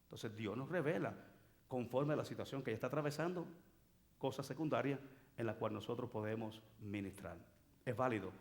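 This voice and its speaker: A man's voice: medium pitch, brisk. A man, a pastor preaching a sermon in church, telling stories and acting out the people in them. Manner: animated storytelling preacher, acts out dialogue. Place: church sanctuary.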